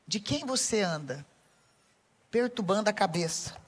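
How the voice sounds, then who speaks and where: A woman with a Brazilian Portuguese accent preaching a lively sermon to a women's audience, playful and teasing, speaking straight to the crowd. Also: medium pitch, a little slow, slight background noise.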